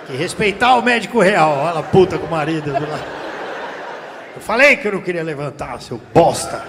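Brazilian male stand-up comic, raspy and high-pitched, crude teasing crowd work, live in a reverberant theater with faint noise. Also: expressive, brisk. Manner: profane, teasing slang-heavy banter. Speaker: stand-up comedian. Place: large theater stage. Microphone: handheld mic. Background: audience laughter.

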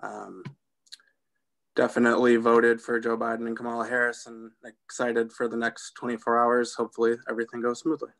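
A young American man introduces himself on a video call, easygoing and full of fillers. His voice is bright and forceful, with a flat, level delivery. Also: medium pitch, normal speed, creaky. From Chicago, United States. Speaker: guest.

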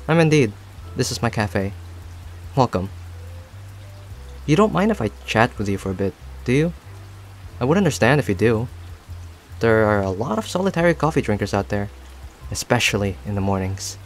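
Man voicing a friendly barista for roleplay audio: talkative, attentive, lively intonation, music and rain underneath. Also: mid-range voice. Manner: chatty, rambling, gently attentive. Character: friendly, talkative young male cafe owner and barista. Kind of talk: scripted roleplay audio addressed to the listener. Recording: soft music and rain behind. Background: music and rain sounds.

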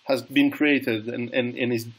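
A middle-aged man interviewing over a video call, asking halting questions with many restarts. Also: mid-range voice, level tone, poor audio.

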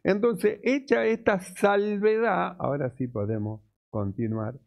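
A man preaching a sermon as pastor, teaching slowly and deliberately, repeating key words. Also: high-pitched, gravelly. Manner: slow, deliberate teaching with repetitions.

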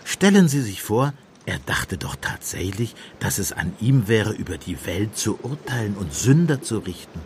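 An actor playing a gentle, shrewd priest-detective in a German radio play, speaking in a musing, deliberate, softly pointed way. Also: male voice, on the low side, sing-song, slight background noise. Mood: grave, pointed. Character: gentle, shrewd priest-detective, mild-mannered, quietly probing.

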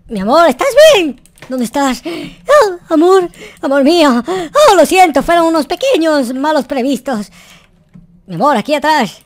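A man's voice: very high-pitched, sing-song, unhurried, heavily acted. A man with a Latin American accent playing a whiny, clumsy noob boyfriend in a melodramatic, stammering Minecraft roleplay. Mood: flustered. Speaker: gaming YouTuber.

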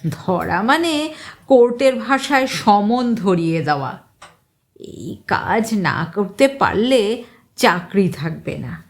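Slow, measured woman storyteller. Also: a little high. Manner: measured and expressive, rising on key words. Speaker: story reader. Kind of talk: first-person story narration.

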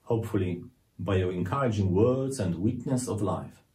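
A middle-aged man, a Catholic priest, delivering a scripted homily to camera in a measured, earnest, deliberate way. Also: on the low side, mellow.

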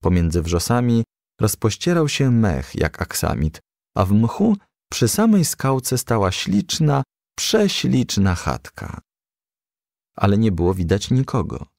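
A man reads a children's story as an audiobook narrator. His voice is fairly low with a gravelly creak, and the melody swings widely as he tells it. The sound is close and dry. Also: a little slow, dry recording. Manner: animated, storytelling delivery. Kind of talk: expressive children's storybook reading.

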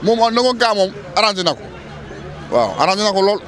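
Loud high-voiced young man. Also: fast talker, some chatter behind. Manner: loud, emphatic and animated. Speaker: passer-by interviewee. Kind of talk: street interview. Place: city street outdoors. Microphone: handheld reporter mics held close.

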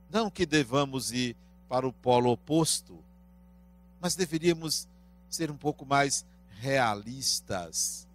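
A man in his fifties from Brazil giving a spiritist lecture into a handheld microphone in a small room, asking rhetorical questions in a measured way. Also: on the high side. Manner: slow, deliberate, rising and falling in loudness.

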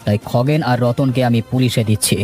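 A man playing a stern, righteous village gentleman in a cartoon moral story, speaking with reassuring authority. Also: mid-range voice, brisk, faint music behind, close to an everyday voice. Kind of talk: Bengali moral cartoon dubbing.

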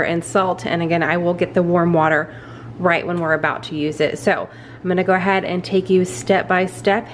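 A chatty woman walks through a recipe at her kitchen counter, hopeful and self-deprecating. Her voice sits a little low, and a faint household hum carries under her talk. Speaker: vlogger. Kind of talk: casual cooking walkthrough. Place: home kitchen.

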